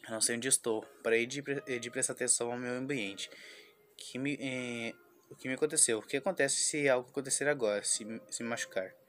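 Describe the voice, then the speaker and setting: A man reading a visual novel aloud, voicing a despairing young schoolgirl, halting and restarting words. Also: medium pitch, steady tone, a bit bright, a little hiss or hum, natural voice. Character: despairing young schoolgirl, anxious and self-blaming.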